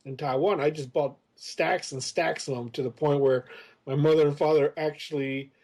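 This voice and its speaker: A man's voice: fairly high pitch, steady tone, normal speed, darkish tone. A man in his fifties, raised in the United States, guesting on a podcast and telling long stories full of hesitant "uh"s. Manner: rambling, many hesitant fillers. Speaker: interview guest, comics creator. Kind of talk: casual storytelling interview.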